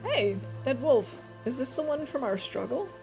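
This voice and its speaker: A woman's voice: high voice, very animated, moderate pace, vocal fry, darkish tone, soft background music. A woman streaming a game in casual chat, answering her chat and laughing often as she talks. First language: English. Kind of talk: casual chat while playing.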